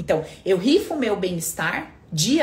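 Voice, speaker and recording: This woman's voice is somewhat breathy. Her tone is animated. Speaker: self-development coach. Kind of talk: live stream talk. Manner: fast.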